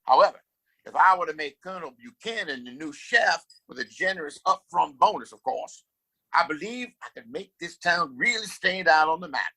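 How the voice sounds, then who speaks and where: A man's voice: on the high side, expressive, fairly quick, pushed and bright, exaggerated voice, rough recording. A man playing a pompous, scheming Old West town boss in an audio play, speaking in a grandiose, commanding, wordy way.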